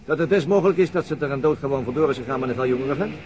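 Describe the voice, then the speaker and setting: An actor playing a calm, weary male police detective in a radio drama, with a dry, low-key manner. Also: very fast, a little hiss or hum, close to an everyday voice. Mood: musing.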